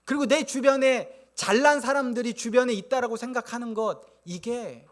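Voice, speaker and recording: A man's voice: very high-pitched, normal speed. A man preaching a sermon as pastor, acting out quoted inner voices as he goes. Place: church sanctuary.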